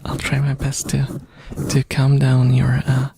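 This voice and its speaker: A native Polish man rambling softly and casually to his ASMR live chat, hesitant and playful. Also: mid-range voice, completely flat delivery, measured pace, creaky, noisy background.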